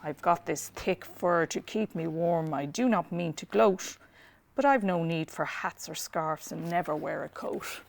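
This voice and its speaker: Storybook polar bear, played by a woman reader: male, self-satisfied, aloof, lowish creaky voice. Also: a little slow. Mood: matter-of-fact. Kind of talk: picture-book read-aloud.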